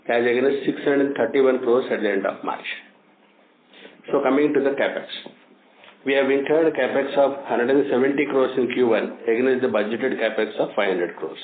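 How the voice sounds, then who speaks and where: A man with an Indian accent formally reading out financial figures as an executive on a company earnings call, now and then stumbling over numbers. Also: medium pitch. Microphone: phone conference line. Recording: tinny phone line, echoey, faint noise.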